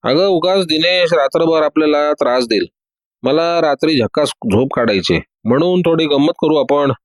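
A man's voice: a little high, lively intonation, moderate pace, no echo, lightly acted. A man voicing a confident, witty male detective who teases everyone in a breezy way. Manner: teasing, breezy.

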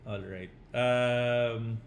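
A man's voice: mid-range voice, steady tone, drawn-out words, a little hiss or hum. A man, a crypto trading coach on a casual live stream who mixes Tagalog and English, reads out chat comments and keeps tagging his points with 'no?' and 'di ba?'.

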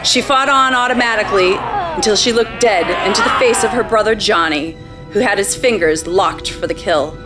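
A woman's voice: medium pitch, normal speed, poor audio. A woman reading scripted narration for a radio play on stage. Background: loud music.

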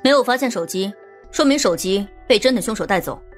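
A woman acting an analytical female police team leader in an audiobook, deliberately reasoning aloud. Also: medium pitch, lively intonation, soft background music, natural voice. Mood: deductive.

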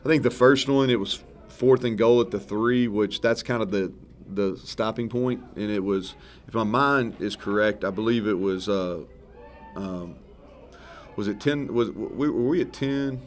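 Fairly low in pitch and measured in pace, this man speaks over slight background noise. He's a head football coach in his thirties at a post-game press table loaded with microphones, giving frank, relaxed answers that ramble and circle back to correct themselves. A sponsor backdrop stands behind him.

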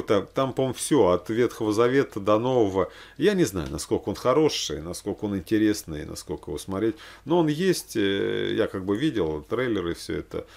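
A man's voice: lowish voice, animated, a little fast, creaky, hardly any pauses, darkish tone. A man in his forties talking casually and unscripted, rambling and thinking aloud with hesitant asides. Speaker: religious vlogger recommending films. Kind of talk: casual, unscripted chat to camera. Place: small room at home, indoors.

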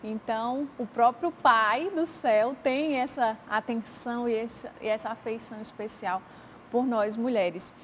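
A woman's voice: on the high side, measured pace, slight background noise. A woman hosting a religious morning TV talk show, interviewing a guest and often finishing her sentences.

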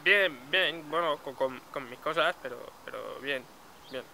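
A man's voice: on the high side, measured pace, vocal fry, bright, forceful tone, a little hiss or hum, heavily acted. A man playing a dejected broke young guy. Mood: fed up. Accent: Spain Spanish. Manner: gloomy, swearing, curt. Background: background music.

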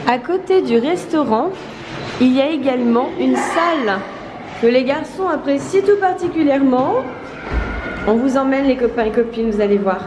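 A woman's voice: sits high, normal speed, over music. A woman with a French accent, a mother narrating a casual family vlog from a hotel, chatty and tender with her children. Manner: chatty, tender toward children, softens to a hush at bedtime. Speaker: vlog host, mother filming. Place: hotel rooms and game room, indoors.

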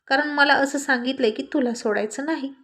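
A woman's voice: high voice, brisk, fairly bright tone. A woman voicing a manipulative young college woman in a spoken story. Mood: scheming.

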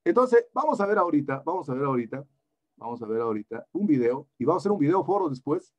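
A man lecturing his students over a video call, relaxed and coaxing, often repeating his phrases. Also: a little high, fast talker, highs cut off. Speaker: engineering lecturer. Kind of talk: online class talk.

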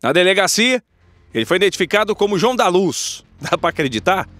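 A man's voice: high voice, very animated, a little fast, fairly bright tone, a little hiss or hum. A man narrating news footage in a playful scripted way, with jokey asides to viewers.

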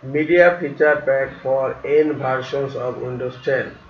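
A man narrating a step-by-step software tutorial in simple, halting, non-native English phrasing. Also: medium pitch, steady tone. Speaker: tutorial host. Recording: roomy, distant, dull mic with faint hiss.

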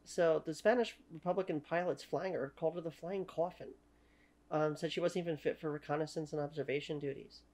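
A woman's voice: deep voice, steady tone, brisk, a little mellow. A woman in her thirties with a Canadian accent and French as her first language, giving an opinionated talking-head history lecture at home with many "you know" fillers. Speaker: history channel host. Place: small room at home.

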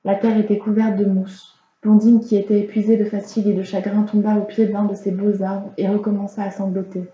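Calm woman reading a fairy tale. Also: mid-range voice, a little hiss or hum. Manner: calm, measured storytelling. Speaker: audiobook reader. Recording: roomy, slightly dull home recording.

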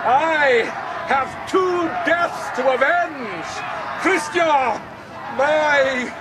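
A defiant soldier in a radio play, declaims with huge swoops of a very high voice. His cries are slow and drawn out, half swallowed by a loud din of battle. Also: expressive, over a noisy crowd, heavily acted. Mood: defiant, anguished. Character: defiant, grief-driven Gascon soldier leading a charge. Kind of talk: radio drama acting. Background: battle noise and shouting.

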